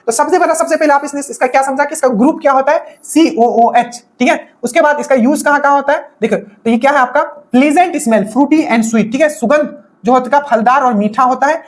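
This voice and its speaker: A woman teaching an exam-prep lesson, explaining step by step, repeating key points and often checking in with her students. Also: high voice. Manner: explains step by step, often checking in with "okay" and asking rhetorical questions. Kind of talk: exam-prep classroom lecture.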